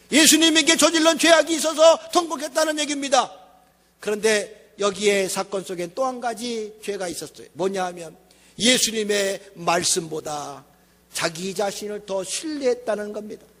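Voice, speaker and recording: A man's voice: sits high, fairly bright tone. A male pastor preaching a sermon, with a dramatic, rising and falling delivery and rhetorical questions. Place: church sanctuary. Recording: echoey church hall.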